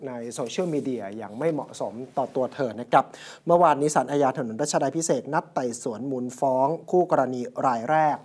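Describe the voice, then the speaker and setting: A man hosting a morning news show, reading out a story and quoting people in a steady news delivery. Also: mid-range voice, fairly quick, hardly any pauses. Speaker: news program host.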